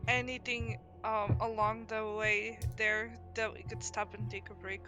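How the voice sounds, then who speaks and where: A woman's voice: a little high, little pitch movement, unhurried, over music. A woman in her twenties playing in a tabletop game, asking eager questions in casual chat. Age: 20s. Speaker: player.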